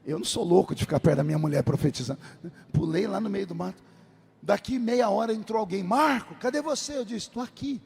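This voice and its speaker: A male pastor telling a comic personal story in a sermon, animated and lively, in a large church hall. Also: high-pitched, fast talker, gravelly, slightly rough. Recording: long hall reverb.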